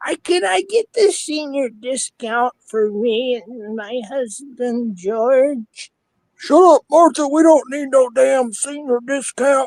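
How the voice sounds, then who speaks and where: A put-on character voice, female-sounding and high in pitch, delivered at a fairly slow pace. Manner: grumpy, bickering.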